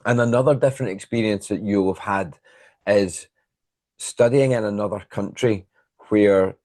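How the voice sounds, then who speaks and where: Lowish-voiced man hosting, dry sound. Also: moderate pace, darkish tone, no echo. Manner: encouraging, summarises before asking. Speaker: interviewer, host. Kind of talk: conversational educational interview.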